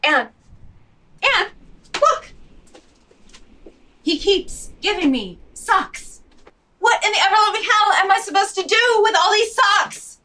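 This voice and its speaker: A woman's voice: extremely high pitch, animated, slow pace, pauses often, pushed and bright, distant mic, heavily acted. An actress playing a blunt, sardonic, exasperated woman in a comedy audio drama. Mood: flustered, annoyed.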